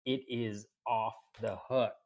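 A man's voice: mid-range voice, steady tone, slow pace. Man with a cracky cold-sick voice. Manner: enthusiastic, chatty with fillers. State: sick with a cold, sniffling and coughing. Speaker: podcast host. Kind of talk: casual podcast chat.

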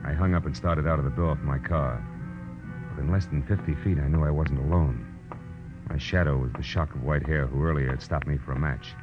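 A tough wisecracking noir detective, real low voice, old time radio, dull recording. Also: male voice, brisk, over music. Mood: wry, brisk. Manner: terse, wisecracking, deadpan narration. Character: hard-boiled, wry, tough male private detective. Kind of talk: 1940s radio acting, first-person narration.

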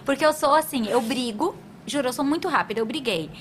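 A woman guest on a casual podcast, telling stories through bursts of laughter. Her voice is very high, and she acts out what each person said as she goes. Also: fairly quick, a little hiss or hum. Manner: laughing, expressive storyteller who acts out quotes.

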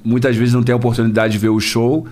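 A man's voice: medium pitch, level tone, fast talker, a little mellow. Loose, tipsy man chatting. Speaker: DJ guest. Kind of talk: casual chat.

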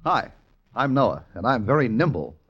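An actor playing a nimble, bossy gypsy ringleader, brisk and theatrical, in an old radio drama. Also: male voice, mid-range voice, big pitch swings, slightly rough, highs cut off. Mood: cheerful boasting. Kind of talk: 1950s radio drama acting.

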